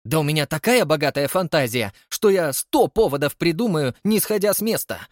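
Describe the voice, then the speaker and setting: A man's voice: on the high side, lively intonation, unhurried, dry recording, clean studio sound, voice pushed up. A man voicing a vain, eccentric male artist who talks dramatically and indignantly, in an audiobook reading. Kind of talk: audiobook character voice.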